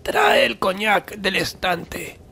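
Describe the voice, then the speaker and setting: A man acts out a bossy bar owner in a radio-style drama. The voice is high and creaky, measured in pace, curt and commanding, over music. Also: sing-song, background noise, full character voice. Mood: commanding, urgent. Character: gruff, bossy bar owner on a stormy night. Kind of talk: audio drama acting.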